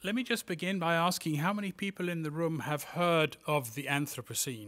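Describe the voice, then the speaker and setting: An ordinary speaking voice from a man, fairly high in pitch, with lively intonation at a fairly quick pace. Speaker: public health physician, conference speaker. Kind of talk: lecture. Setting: stage with audience.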